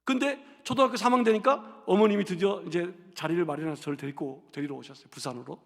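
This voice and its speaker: High-pitched gravelly Korean pastor preaching. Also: male voice, quick pace. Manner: storytelling, acts out family voices, builds to shouted exhortation. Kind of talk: sermon with personal story. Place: church sanctuary. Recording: long church hall reverb.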